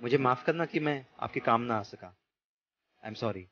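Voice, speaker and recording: An actor in an amateur radio play voicing a kind, gentle disabled man who speaks earnestly and apologetically. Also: mid-range voice, unhurried. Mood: apologetic. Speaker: husband of a blind professor. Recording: muffled lo-fi recording.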